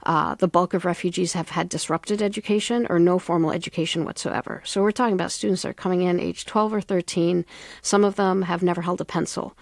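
A woman's voice: fairly low pitch, fairly even intonation, brisk, no room sound, clean studio sound. A woman from the Middle East, a school founder and soccer coach, answering interview questions earnestly with many fillers.

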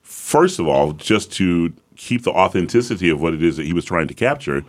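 A Southern American opera singer with a very deep voice joins a relaxed roundtable conversation as a guest. He talks a little fast, telling stories in an easygoing way and laughing easily.

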